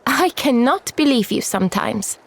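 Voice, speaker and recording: A woman's voice: fairly high pitch, expressive, normal speed, creaky. An actress playing a sensible, exasperated female companion in a video game, pointed and sceptical. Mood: incredulous.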